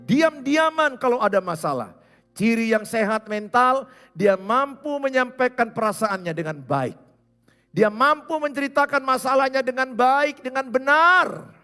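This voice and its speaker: A male pastor preaching a sermon in a church, animated and speaking straight to his listeners. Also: very high voice, measured pace, clean tone, faint music behind. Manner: animated, acts out scenes, speaks to the listener directly.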